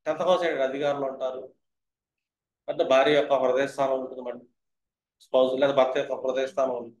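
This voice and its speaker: A man's voice: mid-range voice, flat delivery, quick pace, darkish tone, reverberant, highs cut off. A man teaching astrology in a lecture style, who keeps asking his listeners whether they have understood.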